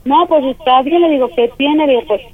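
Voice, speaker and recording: A woman's voice: high-pitched, brisk. A woman, rambling shyly with many fillers on the phone. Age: 40s. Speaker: caller on the phone. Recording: tinny phone line.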